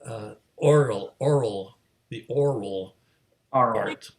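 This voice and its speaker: A man hosting a conversational interview over a video call, halting as he repeats and rephrases his questions. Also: fairly low pitch. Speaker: host of an online gathering.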